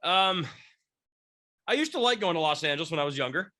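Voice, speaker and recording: A man in his twenties from Washington State, near Seattle, hosts a casual sports podcast while congested from a cold. His voice is a little high, animated and brisk, with a bright, forceful tone. A sports beat writer, he rambles with lots of fillers and restarts.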